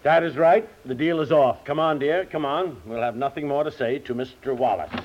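An actor playing an exasperated but affectionate American husband, blustery and halting, in a 1950s radio play. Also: male voice, medium pitch, natural voice. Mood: indignant. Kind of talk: naturalistic 1950s American radio comedy-drama acting. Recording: muffled 1950s radio recording.

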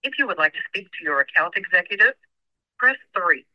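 A recorded customer service menu voice playing over a phone line, reading prompts in an even, scripted way. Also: medium pitch, fairly quick, no room sound. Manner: even, scripted announcer delivery. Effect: heard over a phone line. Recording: dull, dry phone line audio.

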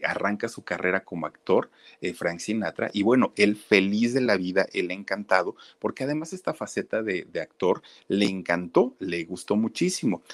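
A man's voice: on the low side, no echo. Brief: casual male storyteller, talks to viewers, dry sound. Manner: chatty, addresses viewers, many fillers.

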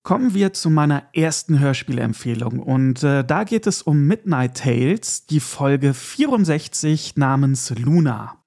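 A man's voice: medium pitch, lively intonation, measured pace, vocal fry, few pauses, mellow. A man hosting a casual podcast, talking in a chatty, enthusiastic way with asides and small laughs. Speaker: podcast host.

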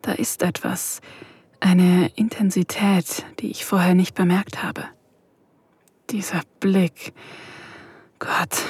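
A nervous, yearning young student narrates in the first person in soft, breathy whispers. She speaks slowly into a close, dry mic for an intimate audio drama. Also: mid-range voice, no room sound, full character voice.

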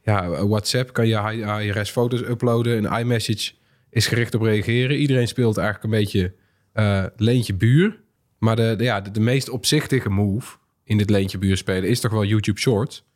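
A man with a slightly low voice hosts a tech podcast. He presents topics in a conversational way, moving between prepared lines and informal chat. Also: fairly even intonation, moderate pace. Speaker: podcast host.

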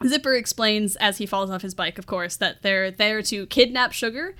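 A woman's voice: medium pitch, moderate pace, pushed and bright. A woman chatting casually as a podcast co-host, giggly and rambling as she recaps a plot and acts out quoted lines.

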